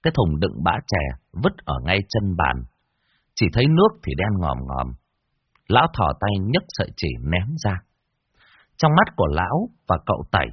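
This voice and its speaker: A man narrating a ghost story in a lively, dramatic way. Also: low-pitched, breathy edge, dry recording. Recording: dull lo-fi dry recording.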